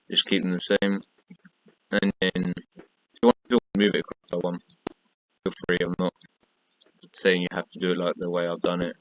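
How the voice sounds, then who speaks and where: A man's voice: deep voice, muffled recording, slight background noise. A man with a tired, fading voice, casually talking through a block-building tutorial while he works, counting and pointing things out over and over. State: tired, losing his voice. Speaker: gaming tutorial creator.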